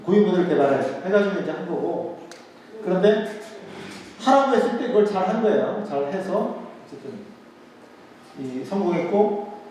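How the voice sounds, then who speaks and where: A man's voice: sits high, expressive, moderate pace, pauses often, darkish tone, a little hiss or hum. A man giving a history lecture to an audience in a conversational way, asking rhetorical questions and repeating key words. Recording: echoey hall, voice picked up from a distance.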